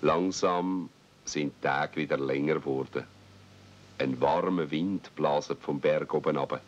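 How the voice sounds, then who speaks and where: Swiss german guy narrating an old radio play, really low voice, bit dull sounding tape. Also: a little slow. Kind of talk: scripted radio-play storytelling in dialect.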